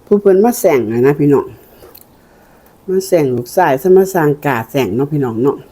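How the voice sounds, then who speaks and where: Older female mukbang eating host, Isan Thai accent, relaxed dark timbre, folksy and conversational. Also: deep voice, fairly quick. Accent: Isan, northeastern Thai. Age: older, a grandmother. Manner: folksy, repeatedly addressing viewers as kin. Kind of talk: mukbang eating, casual chat to viewers while eating.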